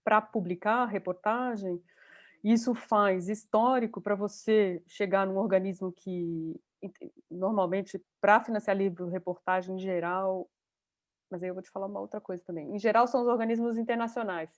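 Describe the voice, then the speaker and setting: A journalism course instructor leads her class online by video call, speaking at a normal pace in a steady, medium-pitched voice. Her delivery is conversational, with her thinking spoken aloud.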